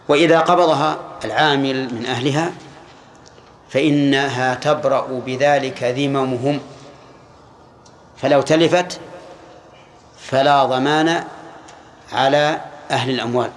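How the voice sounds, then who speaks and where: An older man giving a classroom lesson on Islamic law, speaking in measured phrases and questioning his students. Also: medium pitch, a little hiss or hum. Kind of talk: classroom lecture on hadith.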